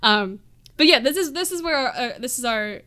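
A woman with a fairly high voice chats through a casual, comedic recap. She is giggly and rambles along, slipping into quoted lines as she goes. It sounds like a relaxed podcast conversation. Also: normal speed. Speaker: movie podcast co-host.

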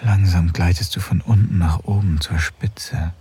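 A man's voice: low-pitched, steady tone, a little slow, slight background noise. A man playing a tender, longing husband. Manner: soft, intimate, often near a whisper. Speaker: husband in an erotic audio drama. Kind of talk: intimate second-person audio drama.

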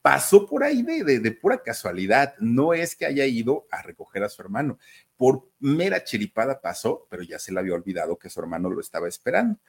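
Husky man telling a story. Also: mid-range voice, sing-song, fairly quick. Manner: chatty, addresses listeners directly. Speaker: storyteller host. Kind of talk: casual storytelling.

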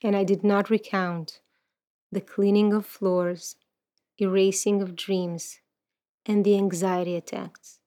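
A woman's voice: mid-range voice, little pitch movement, slow, mellow. A woman in her thirties from Ukraine, whose first language is Russian, talking earnestly and reflectively about her life as an interview guest and reciting a poem, with frequent restarts. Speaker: guest, activist and poet. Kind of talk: personal interview talk and poetry recital.

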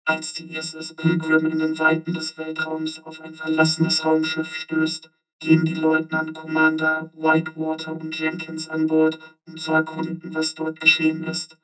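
Flat-voiced man narrating over synth music. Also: on the high side, low-quality recording. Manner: measured and steady, with a flat delivery. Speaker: audio drama trailer narrator. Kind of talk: scripted dramatic narration.

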